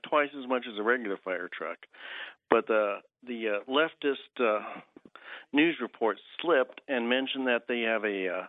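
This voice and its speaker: A man's voice: mid-range voice, dry recording. A man calling in to a radio talk show over a landline phone, chatting casually and rambling. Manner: rambling, chuckling. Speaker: caller. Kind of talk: casual call-in chat. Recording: tinny phone line.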